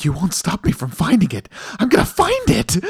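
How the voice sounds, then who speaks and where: A put-on character voice cackles at a middle pitch. It moves at a fairly quick pace. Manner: cackling, menacing.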